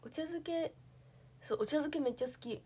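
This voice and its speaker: A woman's voice: high voice, moderate pace, darkish tone, a little hiss or hum. A young woman, an idol, chatting casually on a livestream, answering viewer comments and thinking aloud with lots of fillers.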